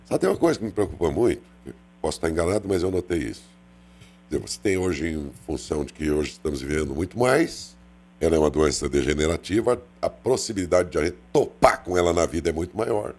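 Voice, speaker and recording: Deep gravelly radio host. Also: male voice, expressive, fast talker, darkish tone. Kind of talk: radio interview.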